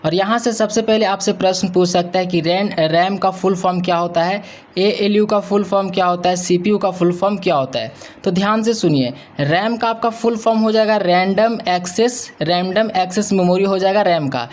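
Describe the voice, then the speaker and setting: A man's voice: high-pitched, normal speed. A young man teaches as an exam coach, going through questions and answers with repetitive, emphatic explanation.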